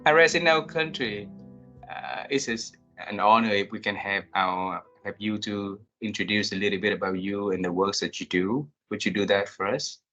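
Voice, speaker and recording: A man hosting an interview, effusive and courteous, with halting, repeated phrasing. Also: on the low side, fairly even intonation, pushed and bright, muffled recording, faint music behind. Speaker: podcast host.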